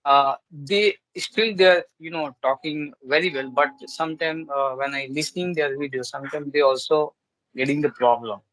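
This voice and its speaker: The speaker is a man learning English who has an Indian English accent and Urdu as his native tongue, chatting hesitantly over a video call with frequent fillers and restarts. His voice sits a little high, fairly bright, at a normal pace. Quality is low, and there's no room sound.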